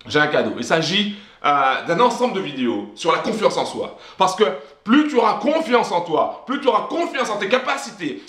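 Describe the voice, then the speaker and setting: A man with a high, slightly bright voice gives a motivational talk directly to camera as a self-help vlogger, sounding emphatic and repetitive and often restarting his phrases. The room is echoey.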